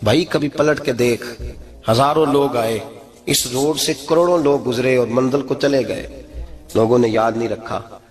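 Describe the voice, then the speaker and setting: A middle-aged man delivers a sermon to his listeners. His voice keeps climbing to high, emphatic peaks. He sits at a middle pitch for a man. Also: measured pace, a crowd in the background. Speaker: preacher.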